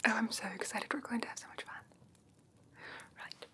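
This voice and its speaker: Softly whispering sweet fae lady, played by a woman. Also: fairly high pitch, moderate pace. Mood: pleased, excited. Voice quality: soft, breathy whisper. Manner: gentle, genteel wording with coaxing endearments. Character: sweet, doting, slightly haughty female fae creature adopting humans. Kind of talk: whispered ASMR fantasy roleplay.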